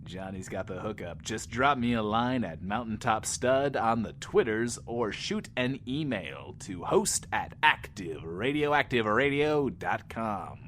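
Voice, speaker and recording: Casting: cocky, flippant wasteland radio DJ, low voice, highly animated patter for an audio drama, noise behind. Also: male voice, measured pace, hardly any pauses. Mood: smug, teasing. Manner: smug, flippant, talks of himself in third person. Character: cocky, sleazy wisecracking radio DJ of a post-apocalyptic wasteland. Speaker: radio host.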